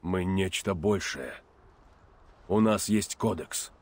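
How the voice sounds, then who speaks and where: An actor playing a grim, weathered male assassin mentor in a game dub, speaking slowly and gravely. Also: low-pitched, a little mellow, slight background noise. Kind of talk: Russian game dub acting.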